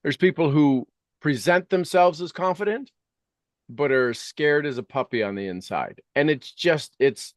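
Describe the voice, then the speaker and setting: A man's voice: medium pitch, dry recording, studio quality. A middle-aged or older man talking conversationally like a coach, emphatic and repeating phrases to drive points home.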